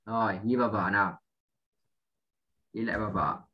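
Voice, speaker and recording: A man's voice: lowish voice, normal speed, lo-fi sound. A man teaching an English lesson to a child, drilling sounds patiently, spelling letters one by one and often checking understanding.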